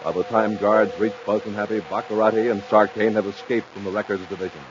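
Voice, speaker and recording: A man's voice: fairly low pitch, steady tone, quick pace, natural voice. A man narrating a 1950s radio adventure serial in scripted, dramatic style. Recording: muffled, noisy 1950s radio recording.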